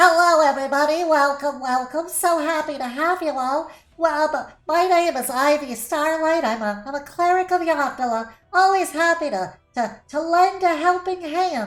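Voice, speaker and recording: Someone does a put-on character voice in a high pitch and a cheerful tone, at a moderate pace, with music in the background. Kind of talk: funny character voice. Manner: cheerful, welcoming.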